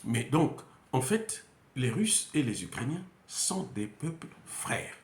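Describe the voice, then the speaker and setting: This commentator, a man with a Central African French accent, speaks slowly and very animatedly at a medium pitch. His unscripted monologue is emphatic and repetitive, full of hesitations, and the room lends a noticeable echo.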